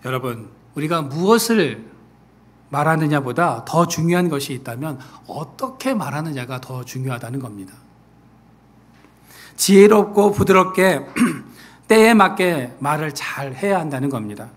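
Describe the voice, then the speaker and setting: A man preaching a sermon as pastor, who acts out quoted people in lively voices and then falls back to a soft, earnest tone. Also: fairly high pitch, measured pace. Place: church sanctuary.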